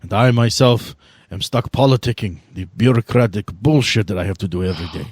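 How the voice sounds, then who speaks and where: A low, dry-recorded voice of a proud vampire official, acted by a man at a game table. He speaks formally and in measured phrases, with the weariness of a senior bureaucrat in a tabletop horror game. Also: no room sound, lightly acted. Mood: weary, proud.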